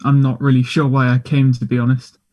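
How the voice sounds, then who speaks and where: A man's voice: medium pitch, completely flat delivery, fairly quick, dark tone, lightly acted. A man acting a chatty, self-deprecating gay teenage schoolboy in a table read, hesitant, earnest and teasing. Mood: shy, hesitant. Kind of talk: play table read, naturalistic dialogue.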